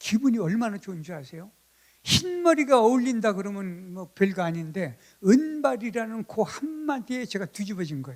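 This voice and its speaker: A man speaks in an animated tone at a moderate pace and a high pitch. His voice swings very widely in pitch and greatly in loudness. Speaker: novelist, guest lecturer. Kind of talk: lecture. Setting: stage with audience, hotel hall. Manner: animated storytelling.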